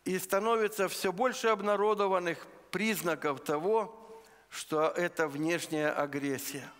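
A man from eastern Ukraine preaching a sermon in a church, earnest and deliberate, laying out his points one by one. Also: sits high, fairly even intonation, fairly bright tone, clear, resonant tone. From Luhansk region, Ukraine. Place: church sanctuary. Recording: long church hall reverb.

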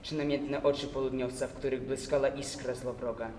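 A young man giving a measured, theatrical prose recitation at a contest. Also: medium pitch, little pitch movement, darkish tone, a little hiss or hum. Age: young adult. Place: large hall, stage. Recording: echoey hall from far off.

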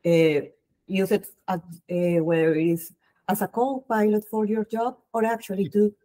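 A Colombian-accented woman in her thirties, a native Spanish speaker, hosts a casual video-call interview from a room at home. She is chatty and restarts often, with a medium-pitched, steady, mellow voice that runs a little slow.

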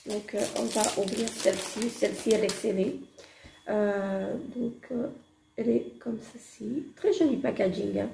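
A woman with a hoarse voice, chatting hesitantly through a makeup haul with many fillers and gushing exclamations. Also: medium pitch, fairly even intonation, moderate pace, mellow, reverberant. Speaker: beauty vlogger. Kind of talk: casual makeup haul chat. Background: construction noise.

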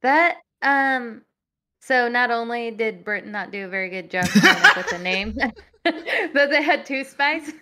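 A woman's voice: a little high, animated, measured pace, pushed and bright. A woman co-hosting a casual science podcast, often laughing and tossing in joking remarks. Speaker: podcast co-host. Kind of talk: casual chat.

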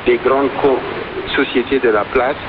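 A man answering a radio interview in halting, hesitant phrases, heard over shortwave radio. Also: medium pitch, steady tone. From Senegal. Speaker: festival organizer being interviewed. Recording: noisy, dull shortwave radio reception.

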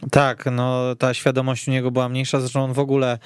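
A man hosting a sports radio discussion, speaking in deliberate, measured phrases. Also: medium pitch, monotone, smooth, dry recording. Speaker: podcast host.

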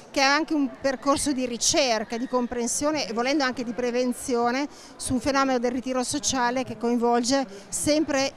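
A woman in her fifties interviewed at an exhibition stand, speaking fluently and composedly. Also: on the high side. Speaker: project founder. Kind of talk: interview at a book fair stand. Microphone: handheld interviewer mic.

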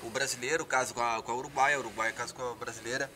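A man in his thirties from the Brazilian border region interviews a guest, asking questions in an easy conversational way. His voice is mid-pitched, picked up on a handheld mic outdoors. Faint background noise runs underneath. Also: steady tone, racing, bright, forceful tone. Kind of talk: casual interview talk. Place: outdoor backyard. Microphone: handheld microphone.

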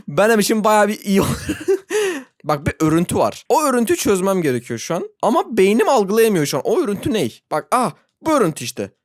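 Narrating a frustrating Roblox level, an excitable gaming YouTuber jumps between low mutters and high squeals with very lively pitch. He addresses the audience directly, chatty and self-mocking, laughing often. The sound is dry and close, without any echo or room around it.

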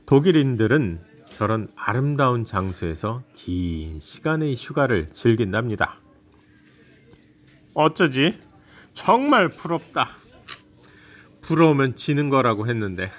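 Calm man narrating a travel vlog. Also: medium pitch, unhurried. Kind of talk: scripted voice-over narration.

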